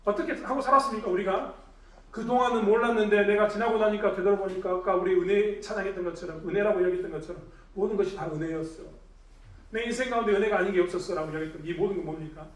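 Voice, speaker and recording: A middle-aged man preaching a Sunday sermon as pastor, animated, acting out quoted voices and swinging from loud to hushed. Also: high-pitched. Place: church sanctuary. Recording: roomy church sound, voice picked up from a distance.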